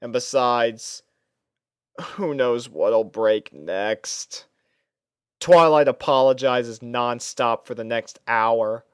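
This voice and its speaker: A man narrates a first-person story in a clear, smooth voice with theatrical expression. He plays an exasperated student telling of his home life. His pitch sits in an average range for a man and the sound is dry and close, with no room echo. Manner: expressive, theatrical delivery with sighs. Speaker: fan fiction reader.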